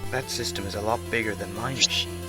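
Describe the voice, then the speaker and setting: A man's voice: lowish voice, steady tone, fast talker, lightly acted. A man in an English game fan dub playing a haughty, easily flustered young prosecutor in a formal, indignant, theatrical way. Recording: amateur dub under loud music.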